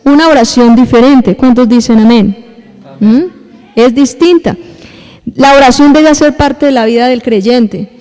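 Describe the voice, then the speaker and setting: A woman pastor delivers a sermon and turns often to the congregation, telling them what to say to the person beside them. Her voice sits high. A long church reverb trails behind every phrase. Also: measured pace, dark tone. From Colombia. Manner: addresses the congregation directly, acts out little scenes. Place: church hall.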